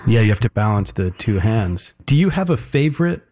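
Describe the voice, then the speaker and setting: A man hosting a classical music show, interviewing a young performer in a gentle, encouraging and patient way. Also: fairly low pitch, big pitch swings, fairly quick.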